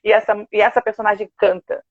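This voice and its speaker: An older woman with a Brazilian Portuguese accent, a singer telling stories with lively quoted asides in a casual interview. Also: mid-range voice, quick pace, no room sound. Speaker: guest, opera and musical theatre singer. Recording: dull, dry video-call audio.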